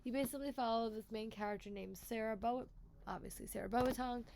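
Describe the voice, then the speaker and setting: A woman's voice: fairly high pitch, brisk, gravelly, darkish tone, slight background noise. A woman book vlogger with a stuffy cold, chatting casually and repeating words with lots of fillers. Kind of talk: casual chat to camera.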